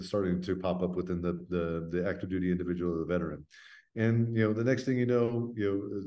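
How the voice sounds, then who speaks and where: Deep, mellow American man explaining earnestly. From United States. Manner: earnest, plain-spoken, often checks with "right?". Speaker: interview guest, veterans' foundation representative. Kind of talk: conversational interview explanation.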